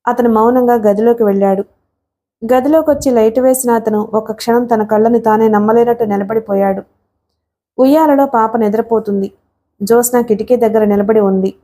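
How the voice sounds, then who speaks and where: Mellow-voiced woman narrating a novel. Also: a little high, steady tone, moderate pace. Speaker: audiobook narrator.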